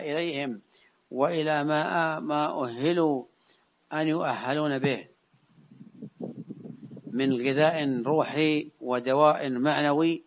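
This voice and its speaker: A man delivers a formal religious sermon in a solemn, oratorical way. His voice sits a little higher than most men's. The recording is dull and lo-fi, with limited detail. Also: a little hiss or hum. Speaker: preacher. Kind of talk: formal sermon in classical Arabic, reciting scripture quotations.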